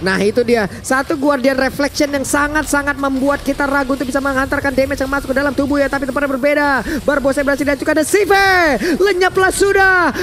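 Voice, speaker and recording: Noticeable background noise runs under this clip. A man speaks at a very fast pace in an extremely high pitch. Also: ordinary pitch variation. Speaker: esports caster. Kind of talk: esports match commentary. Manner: fast, excitable play-by-play.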